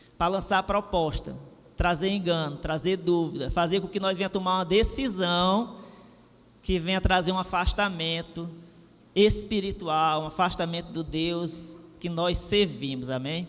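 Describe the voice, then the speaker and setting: There is audible room echo in this recording. The delivery is fairly slow, with fairly even intonation. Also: man, high pitch for a man. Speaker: deacon preaching. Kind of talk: sermon.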